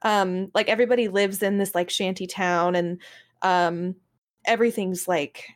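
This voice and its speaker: Female podcast co-host, mid-range voice, relaxed informal phrasing, casual discussion among gamers. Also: mid-range voice, moderate pace. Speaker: podcast co-host and games writer.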